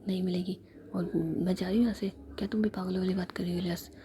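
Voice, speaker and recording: A woman's voice: on the low side, fairly even intonation, fast, mellow, a little hiss or hum, lightly acted. A woman whispering the part of an exasperated young woman who brushes off and scolds her friend.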